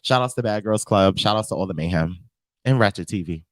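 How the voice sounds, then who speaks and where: A man's voice: lowish voice, brisk, dry recording, clean studio sound. An American man chatting casually as a talk show co-host, with a sassy, slangy manner. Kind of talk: casual chat.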